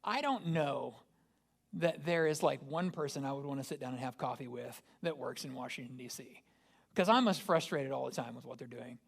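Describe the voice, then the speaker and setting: A man's voice: medium pitch, normal speed, gravelly, slightly rough. A man, a pastor, giving a conversational sermon and asking the congregation rhetorical questions. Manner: casual, asks the listeners rhetorical questions.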